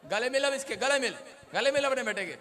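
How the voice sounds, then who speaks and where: A man's voice: very high voice, expressive, a little fast, bright, forceful tone, a little hiss or hum. A man pastor preaching a playful deliverance sermon in church, joking with people and bossing the congregation and camera around. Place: church service before a congregation.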